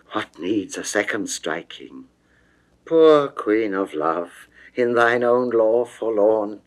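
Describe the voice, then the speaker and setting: Slow, theatrical male verse narrator. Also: lowish voice. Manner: theatrical, declamatory, precisely phrased. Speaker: narrator, reader of poetry. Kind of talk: dramatic classical verse recitation.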